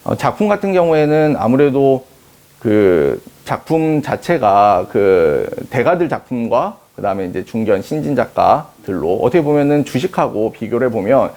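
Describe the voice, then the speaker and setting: A man in his thirties, a company head, answering interview questions in a measured, explaining way with frequent hesitation fillers. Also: medium pitch, sing-song, darkish tone. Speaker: company CEO interviewed on art investment.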